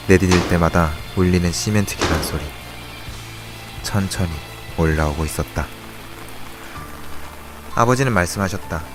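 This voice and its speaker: A young man acting a brooding, cold and curt narrator in a Korean audio drama. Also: low voice. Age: young adult. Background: music.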